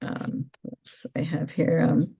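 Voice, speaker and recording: A man on a group call, talking casually with halting questions and comments. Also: lo-fi sound.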